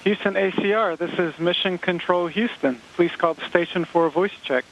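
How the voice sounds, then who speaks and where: A man's voice: high voice, moderate pace, vocal fry. A man speaking as a mission control communicator, in clipped, formal space radio calls over a radio link. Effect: radio transmission. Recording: muffled, hissy radio link.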